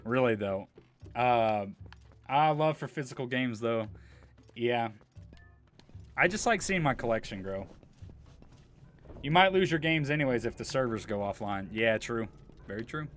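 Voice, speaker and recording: A man's voice: mid-range voice, expressive, measured pace, long pauses, fairly bright tone, faint music behind. A man live streaming a video game, giving casual, slangy commentary and chatting with viewers, with some swearing. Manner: slangy, profane, informal.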